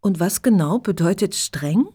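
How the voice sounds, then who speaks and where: A woman's voice: fairly low pitch, expressive, a little slow, mellow, slightly rough. A woman reading an eager, unsure young dancer. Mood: curious.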